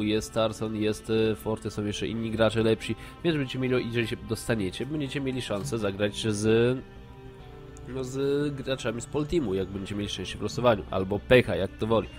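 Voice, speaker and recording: A man's voice: on the low side, a little mellow. A Polish man with a congested, nasal voice from a cold, speaking informally and a little hesitantly as a streamer making announcements to viewers. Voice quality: congested, nasal from a blocked nose. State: has a cold with blocked nose. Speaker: gaming streamer. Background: music.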